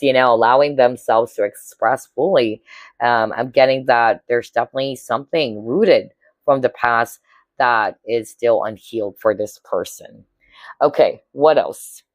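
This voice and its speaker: A woman with a hoarse, cracking voice giving a casual tarot reading to viewers, chatty and often checking in with her listeners. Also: a bass voice, dry recording, dull audio. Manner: chatty, keeps checking in with "all right?" and "okay?". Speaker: tarot reader.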